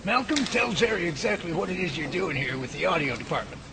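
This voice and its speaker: A man playing a composed, patient professor who leads a research team and explains things in a measured way in an amateur radio drama. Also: high voice, creaky, noisy background. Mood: hospitable.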